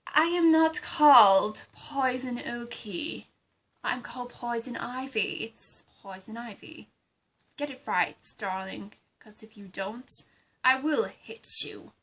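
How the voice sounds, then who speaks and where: A woman voicing a scheming female supervillain in a fan roleplay, talking slowly and condescendingly and dropping into menacing whispers. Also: medium pitch, steady tone, bright, forceful tone, slightly rough, low-quality recording. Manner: slow, condescending, drops into menacing whispers, calls everyone darling.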